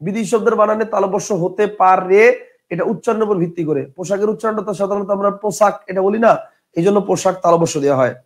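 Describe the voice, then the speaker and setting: A young man teaching an online grammar lesson, repeating words slowly and answering his own questions. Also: high voice.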